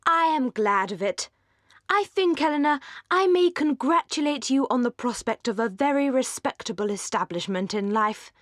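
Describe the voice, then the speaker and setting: A woman's voice: high voice, expressive, normal speed, no room sound, studio quality, voice pushed up. A woman reading nosy brother John Dashwood. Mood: inquisitive. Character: John Dashwood, eager, money-minded older brother.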